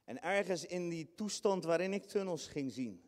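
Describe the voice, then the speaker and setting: A man preaching a lively sermon, acting out scenes with sudden high shrieks and bursts of laughter. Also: moderate pace. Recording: long hall reverb in a church.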